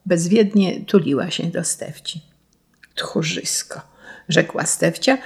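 A woman narrating a children's story in a measured, expressive reading. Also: low voice, creaky, husky. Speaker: audiobook narrator.

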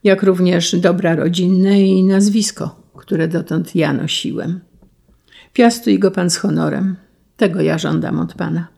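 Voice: medium pitch, steady tone, measured pace, gravelly, dark tone. A reader doing a proud, honorable young count. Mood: dignified. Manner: dignified, firm. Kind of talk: audiobook reading.

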